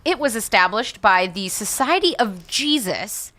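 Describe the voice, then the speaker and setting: A woman's voice: medium pitch, animated, unhurried, sharp tone. A woman from Wisconsin co-hosting a podcast, telling stories playfully with casual swearing and laughter. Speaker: podcast co-host. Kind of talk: casual comedic storytelling.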